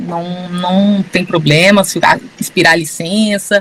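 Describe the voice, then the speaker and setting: A woman is heard with noticeable background noise. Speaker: lecturer teaching R. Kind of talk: online lecture. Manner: fast.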